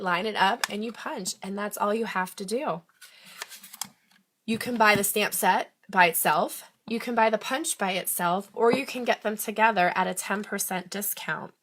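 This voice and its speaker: A middle-aged woman with a slightly raspy voice from a recent illness chats eagerly through a live craft demonstration. She talks at an ordinary pitch, stops and restarts her sentences, and keeps a friendly, easygoing pace. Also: a bit bright. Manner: chatty and enthusiastic, with frequent fillers. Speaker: independent craft demonstrator hosting a live stream. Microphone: phone or tablet livestream.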